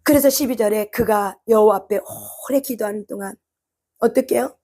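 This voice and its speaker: A woman preacher giving an impassioned sermon. She keeps asking the congregation questions, and her voice climbs into shouted cries. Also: fairly high pitch, a little fast. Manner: impassioned, rises to shouted cries when voicing prayer; asks the congregation rhetorical questions.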